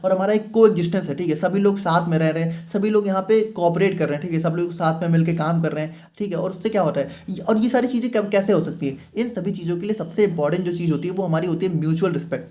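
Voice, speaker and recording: A man's voice: sits high, a little mellow. A man giving an explanatory online lecture as a pharmacy teacher, speaking between stretches of Hindi and checking in often with short fillers. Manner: mixes Hindi and read-out English, many fillers like "thik hai".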